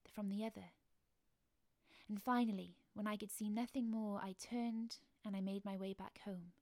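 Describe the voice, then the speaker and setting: A woman telling a bedtime story softly and gently, slipping often into a hushed whisper. Her voice is mellow and dark, with a gravelly fry at the low end. The sound is dry and close. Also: fairly even intonation, normal speed, no echo.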